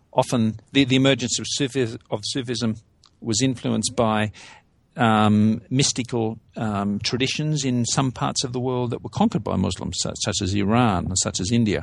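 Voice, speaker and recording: Against a quiet background, a man with an Australian accent talks at a moderate pace. His pitch is medium, with ordinary variation. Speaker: academic on Islam. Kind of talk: interview. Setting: video call. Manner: hesitant, repeats words.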